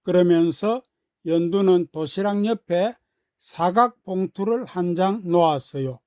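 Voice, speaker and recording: Slow-paced woman reading a children's story. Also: fairly low pitch, darkish tone, no echo, clean studio sound. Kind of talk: scripted children's story narration.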